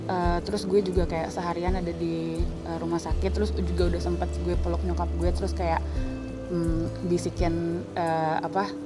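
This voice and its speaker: A young woman, speaking in a halting way, often searching for her words. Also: lowish voice. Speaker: panel guest. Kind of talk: casual conversation. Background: soft music.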